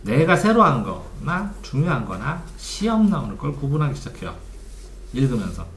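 A man's voice: mid-range voice, very animated, normal speed, fairly bright tone. A man teaching a study method in steps, asking his listeners questions and then answering them himself. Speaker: study coach. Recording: echoey room, faint background noise.

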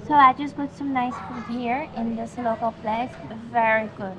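Female travel vlogger, high voice, eager casual explaining, recorded with heavy rain behind. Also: steady tone, normal speed, lo-fi sound. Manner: eager, explaining plans and food. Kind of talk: casual vlog talk. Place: open-air eatery in rain. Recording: loud rain noise behind.

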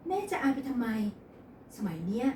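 A woman's voice: a little high, animated, moderate pace, mellow, slight background noise, voice pushed up, close to an everyday voice. A woman voicing a brash, crude playboy son in a read-aloud romance novel, recorded in an echoey room from a distance. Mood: excited. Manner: crude, teasing.

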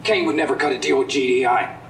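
A man's voice: medium pitch, quick pace, echoey room, soft background music, natural voice. An actor playing an accusing, indignant male militant loyalist in a dramatic game cutscene. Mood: bitter, accusing. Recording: distant mic, faint background noise.

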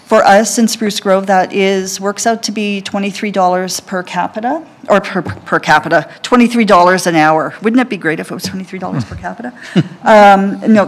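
A woman, a library system executive, answering council questions in a clear, businesslike way from a council chamber desk mic. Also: mid-range voice. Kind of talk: formal presentation answers.

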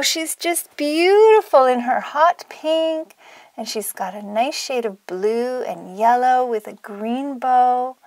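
Animated high-voiced woman hosting toy unboxing. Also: no echo. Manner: gushing, exclamatory, sing-song. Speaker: toy unboxing video host. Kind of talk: playful toy unboxing narration for children.

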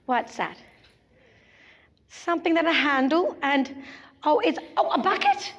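Echoey sports hall, woman, kids party magician patter, high-pitched, theatrical wonder, faint noise. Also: lively intonation, measured pace, a bit bright. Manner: exaggerated wonder, theatrical, sing-song prompting of children. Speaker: children's magician's presenter. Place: large indoor school sports hall. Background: children in the audience.

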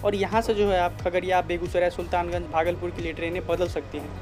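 Young guy vlogging on a train, high voice, music playing under it. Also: level tone, quick pace. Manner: informal, addresses viewers as bhaiya. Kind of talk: casual travel vlog narration. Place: on a moving train, outdoors by the open door. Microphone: wireless clip mic. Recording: loud train noise and background music.

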